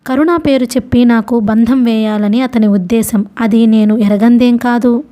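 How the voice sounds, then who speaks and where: A woman reading the part of a grieving mother who talks in a hurried rush, half angry and half dejected. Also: on the high side, steady tone, dark tone, close to an everyday voice. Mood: bitter, hurt. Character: grieving bitter mother, middle-aged woman.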